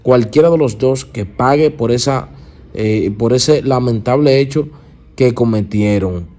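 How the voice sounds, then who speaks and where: A man with a Dominican accent hosting a YouTube channel, giving casual urban gossip news in colloquial street slang, halting and repeating himself. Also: mid-range voice, mellow.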